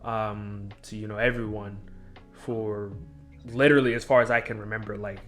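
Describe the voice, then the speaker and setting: A young man, a podcast guest, telling a personal story in a halting, disjointed way, full of restarts. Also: on the low side, fairly even intonation, a bit bright, soft background music. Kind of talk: casual conversation.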